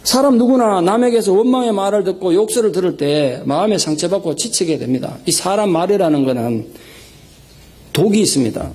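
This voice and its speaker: A male pastor delivers a Sunday sermon in a high, husky voice at a quick clip. He preaches with emphasis and acts out desperate prayers and stern rebukes in raised tones. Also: a little mellow. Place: church sanctuary. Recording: live sermon recording.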